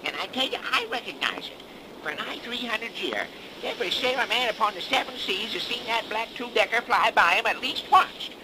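An actor playing a stubborn, superstitious old sea dog with salty dialect in a 1930s radio drama. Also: male voice, high voice, big pitch swings, brisk. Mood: insistent. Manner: salty rustic sailor dialect, insistent. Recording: noisy 1930s radio broadcast.

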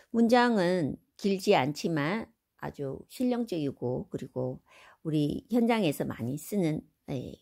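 A woman teaching Chinese in Korean, reading the example sentences out slowly and explaining them. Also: sits low, vocal fry, a little mellow, slightly rough. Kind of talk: slow spoken language lesson.

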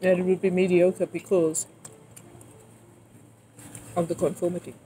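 A woman's voice: lowish voice, level tone, a little slow, mellow. Direct, questioning woman over outdoor noise. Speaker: interviewer, friend in conversation. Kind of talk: casual conversational back-and-forth. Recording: clear outdoor ambient noise.

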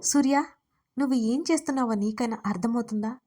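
A defiant young wife with a high, raised voice, voiced by a woman narrator of an audio story. She protests sharply and pushes back hard. It stays close to the narrator's own voice. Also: brisk, warm tone, natural voice. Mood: upset.

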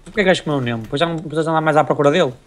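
A man's voice: a little high, racing. A young man, chatting and joking with his friend while they play a game together. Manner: joking, teasing. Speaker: co-player. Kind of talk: casual gaming chat.

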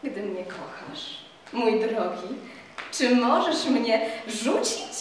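A woman voicing a passionate scorned noblewoman, declaiming with loud dramatic outbursts in a verse recital. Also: a little high, expressive, slow pace, slight background noise. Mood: pleading. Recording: roomy echo, voice far from mic.

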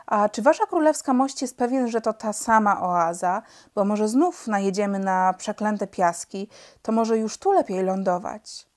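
A calm male pilot with no legs, wry and matter-of-fact, trading dry jokes, as a woman reads his lines in a storybook. He talks a little higher and louder than the narration around him. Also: unhurried, lightly acted. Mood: doubtful. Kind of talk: storybook reading.

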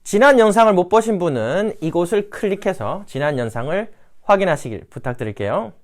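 A woman co-hosting a language lesson, explaining points clearly and without rushing. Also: fairly low pitch, expressive.

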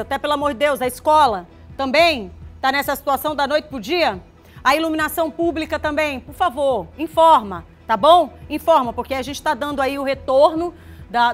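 A high-pitched woman presents live regional TV news, speaking into a studio lapel mic. She is chatty and direct with viewers, checking in with quick "tá?" tags and reading their messages back warmly, while faint music plays underneath. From Maranhão, Brazil. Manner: reads viewer messages aloud, greeting them warmly by name.

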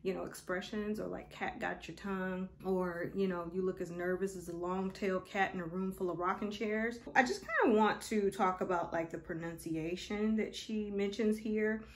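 A woman in her thirties with an African American accent, giving an informal explainer and reading examples from a book in a thoughtful, halting way. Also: medium pitch, slight background noise. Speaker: presenter of an educational video. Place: small indoor room, seated before a wall.

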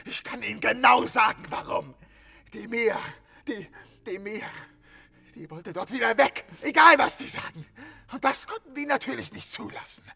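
An actor in a crime radio play voicing an agitated innkeeper grieving his murdered wife, halting, stammering and swearing bitterly. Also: extremely high pitch, lively intonation, gravelly, bright, forceful tone, heavily acted. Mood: furious, distraught. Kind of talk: dramatic audio drama acting.

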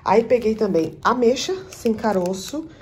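A woman's voice: a little high, expressive, a little slow, darkish tone, slight background noise. A chatty woman from Brazil in her thirties, talking straight to her viewers as she shows off what she bought. She keeps checking that they can see, pointing at each item in an easy, everyday voice. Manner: chatty, addresses viewers as "gente", lots of "tá vendo, ó?". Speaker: vlogger. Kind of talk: casual shopping vlog.

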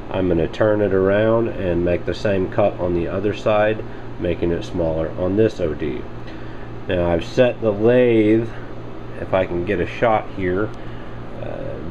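A man with a low, deep voice talks plainly through his workshop steps, unhurried and practical. He is recorded on a handheld camera in a home shop, with a clear hum of machines and air behind him. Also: highs cut off. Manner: plain step-by-step explaining, unhurried. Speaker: hobby machinist reviewing a tool. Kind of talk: casual workshop demonstration. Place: home workshop with lathe and bench. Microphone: handheld camera mic, speaker off screen.

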